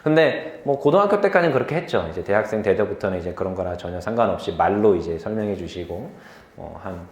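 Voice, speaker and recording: A young man preaching a sermon to a youth group, telling stories from his life in a lively way, laughing easily and asking the listeners questions. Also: low-pitched, reverberant. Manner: lively storytelling, quick to laugh; asks the listeners questions directly.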